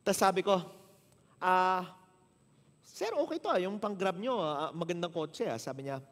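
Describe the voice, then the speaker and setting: A Filipino pastor preaches in a high, animated voice, swinging his pitch as he acts out both sides of a conversation. His words ring out with a long reverb from the church hall. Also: a little slow. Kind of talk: sermon with storytelling.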